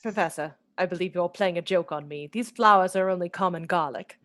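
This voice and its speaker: An actress playing a sweet, playful, gently stubborn young lady with a polite, genteel manner in a radio drama. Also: lowish voice, brisk, lightly acted. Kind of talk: theatrical radio drama acting.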